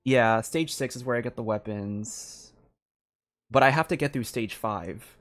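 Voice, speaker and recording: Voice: medium pitch, unhurried, faint music behind. Mid-range voice, game livestreamer, informal, rambling, hesitant, thinking aloud. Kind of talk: casual gaming commentary, thinking aloud.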